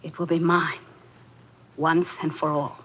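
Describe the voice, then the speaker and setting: An actress playing an intense, insistent woman with an obsessive streak, dramatic and deliberate in 1940s radio mystery style. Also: low voice, little pitch movement. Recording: muffled old-time radio recording with music.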